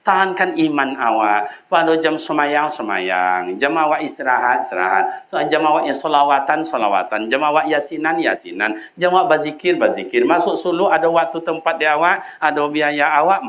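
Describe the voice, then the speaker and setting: Minangkabau-accented male preacher, lively delivery. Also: fairly quick, muffled recording. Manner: lively preaching that swings between loud high calls and low quiet asides. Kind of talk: sermon. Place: mosque.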